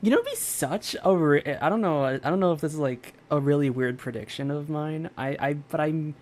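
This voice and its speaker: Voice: mid-range voice, lively intonation, moderate pace, darkish tone. A streamer giving casual, rambling commentary while playing through a game. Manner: rambling, speculative.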